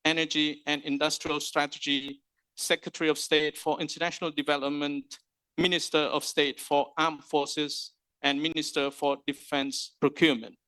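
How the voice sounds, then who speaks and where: A man's voice: fairly high pitch, flat delivery, moderate pace, bright, forceful tone, clear, resonant tone, no echo, poor audio. A man hosts a conference and gives a polite, formal introduction of the keynote speaker, with hesitant fillers.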